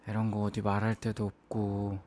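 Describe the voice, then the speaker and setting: Low, hushed man in ASMR role-play. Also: monotone, moderate pace. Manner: soft, hushed, intimate, hesitant murmur. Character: apologetic, self-blaming young boyfriend murmuring to sleeping girlfriend.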